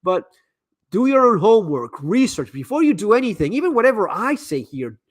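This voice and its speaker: High-voiced man, halting repeats. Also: sing-song, no room sound, studio quality. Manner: frequent stammered repeats and restarts; candid, advice-giving. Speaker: live stream host answering viewer messages. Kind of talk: casual live-stream chat.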